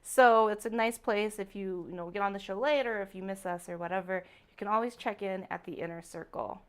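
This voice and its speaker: A woman hosting a live-streamed jewelry sale, chatty and upbeat, greeting viewers by name, her voice a little raspy from a sore throat. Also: mid-range voice, brisk. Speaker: jewelry show host. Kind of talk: live-stream sales chat.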